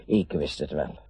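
An actor in his sixties playing a garrulous, meddling, wistful retired father in a radio play, rambling and halting, with sudden emphasis. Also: a bass voice, creaky, dark tone, breathy edge, dry recording, full character voice. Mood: nostalgic. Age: 60s. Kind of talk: naturalistic radio drama acting.

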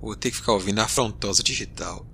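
Give me a man playing a tired starship captain who grumbles and sighs at his cheeky AI. His voice is low but bright and forceful, over a faint low hum of the ship. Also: quick pace, gravelly. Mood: exasperated. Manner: grumbling, sarcastic, sighing. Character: weary male space explorer captain, easily exasperated.

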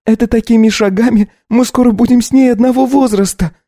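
A man voicing a defiant young countess and mother, speaking in a shrill, pleading way. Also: normal speed, dark tone, no echo, clean studio sound, close to an everyday voice. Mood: bitter defiant.

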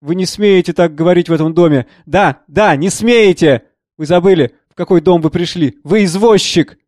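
A man's voice: high voice, normal speed, darkish tone, dry recording, studio quality, close to an everyday voice. A man reading a distraught, pleading professor's wife. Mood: indignant. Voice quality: tearful, pleading.

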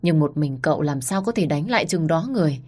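A woman narrating a story in the first person, expressive and acting out the dialogue. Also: deep voice, fast talker.

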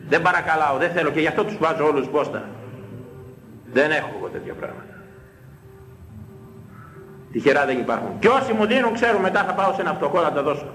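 Fiery priest preaching in an echoey church. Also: male voice, a little high, expressive, long pauses, fairly bright tone, soft background music. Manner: impassioned, repeats phrases with rising emphasis. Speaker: parish priest. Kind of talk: fiery sermon.

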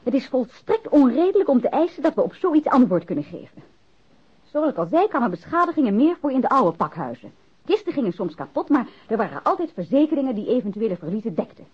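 Husky, officious office woman. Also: fairly high pitch, big pitch swings. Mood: officious, indignant. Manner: brisk, defensive, formal. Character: defensive, officious female freight company official. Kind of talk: radio drama acting. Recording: dull lo-fi radio recording.

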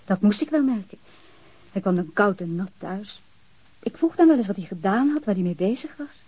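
An actress playing a grieving, lonely young woman in a radio crime drama, speaking in a wistful, halting way with a husky voice. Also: medium pitch, expressive, dark tone. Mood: wistful recollection. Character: grieving, lonely young woman left alone by her partner.

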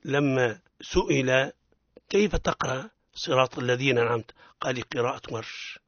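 Tunisian man, radio recitation teacher, corrective, slow syllable demos, dull dry studio sound. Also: mid-range voice, dry recording. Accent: Tunisian Arabic. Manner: corrective, demonstrates syllables slowly and repeatedly. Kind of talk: radio Quran recitation lesson.

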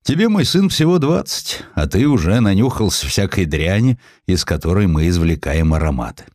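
A man's voice: sits low, sing-song, moderate pace, a little mellow, dry recording, studio quality. A man voicing an earthy old Parisian soap-maker, a father giving emphatic advice in an audiobook story. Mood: emphatic, paternal.

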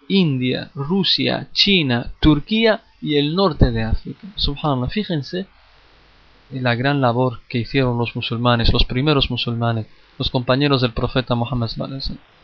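A man's voice: medium pitch, normal speed, no room sound, dull audio. Man lecturing with many restarts. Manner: repeats phrases, frequent hesitations and restarts; addresses listeners directly. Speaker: Islamic studies teacher. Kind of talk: classroom lecture.

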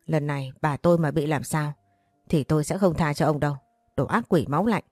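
Woman narrator doing a young grandson, angry and remorseful, low mellow voice, dry sound, storybook. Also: fairly quick, dry recording, soft background music. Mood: seething. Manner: pointed, emotional accusations.

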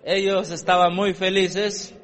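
Male sermon interpreter, high voice, quick and halting, lots of fillers. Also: little pitch movement, a bit bright, slight background noise.

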